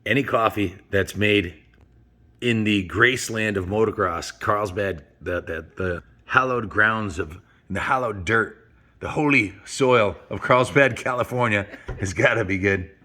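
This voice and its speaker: A man's voice: lowish voice, unhurried, bright, forceful tone. A man with a folksy, enthusiastic manner hosts a story time, chatting casually and reading aloud to his viewers. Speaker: host of a story time show.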